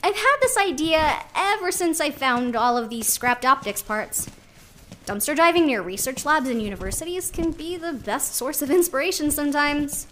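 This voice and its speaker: A woman's voice: sits high, expressive, normal speed, fairly bright tone, slight background noise. A woman playing a chatty, wry, caring artist who narrates conversationally in an audio drama. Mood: curious, excited.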